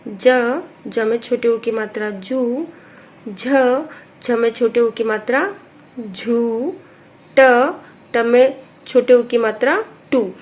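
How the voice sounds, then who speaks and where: A woman teacher leads young children through a phonics lesson. She speaks very slowly, pausing after each letter and vowel sign, in a slightly high voice. Her manner is patient and methodical. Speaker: primary school teacher.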